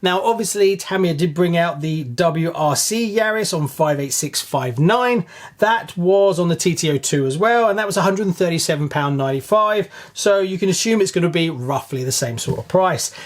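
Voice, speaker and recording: A man's voice: sits high, expressive, normal speed. A man hosting his own channel, giving a casual, chatty news roundup straight to his viewers with open enthusiasm. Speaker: channel host.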